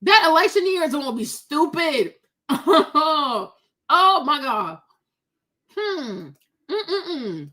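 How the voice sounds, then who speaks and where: A woman doing casual reaction commentary on a video, exclaiming loudly and laughing often. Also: sits high, sing-song, extremely slow.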